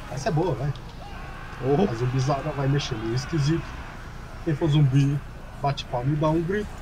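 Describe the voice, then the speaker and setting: Fairly quick speech with long, frequent pauses over noticeable background noise. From Brazil, Paraíba. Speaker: gamer. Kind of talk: casual chat.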